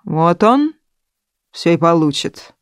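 A theatrical older woman who wallows in bitterness and grand sorrow, voiced by an audiobook reader. She stretches her words slowly and pushes her voice up and out, every sentence a small performance. It is a storybook reading with a very dry sound. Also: mid-range voice, sing-song, no room sound. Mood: wistful, dramatic. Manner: melodramatic, loud and drawn-out. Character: theatrical, self-pitying older woman, prone to sobbing.

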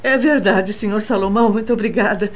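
An actress playing a polite, troubled young woman who hides her desperation, halting as she explains, in a radio drama with a Brazilian accent. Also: medium pitch, lightly acted. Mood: polite, strained.

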